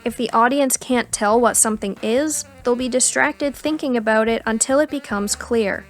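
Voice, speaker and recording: A woman with a fairly high voice reads a scripted tutorial. She explains things in a clear, instructional way, with music playing behind her. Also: moderate pace. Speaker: tutorial narrator. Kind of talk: scripted educational narration.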